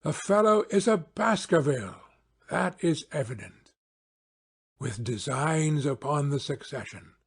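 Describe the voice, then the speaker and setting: A man's voice: fairly high pitch, lively intonation, measured pace, vocal fry, breathy edge, heavily acted. A man playing a confident, eager male detective in an audiobook, with commanding, precise phrasing. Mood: exultant. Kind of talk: audiobook character acting.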